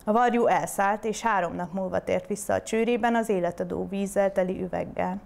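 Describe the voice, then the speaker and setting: A woman at a middle pitch reading a fairy tale aloud. She narrates in a steady, clear storytelling manner.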